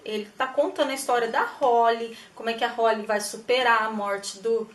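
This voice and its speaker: A woman's voice: fairly high pitch, steady tone, normal speed. Chatty woman in an echoey room. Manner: chatty, thinks aloud with many fillers. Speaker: writer giving writing tips. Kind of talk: casual explanatory vlog. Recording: echoey room, distant from the mic.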